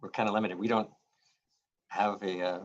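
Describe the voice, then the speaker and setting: Low-voiced man chairing a video meeting. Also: flat delivery, normal speed, dull audio. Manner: warm, agreeable, hesitant fillers. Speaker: library official leading the meeting. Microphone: video call.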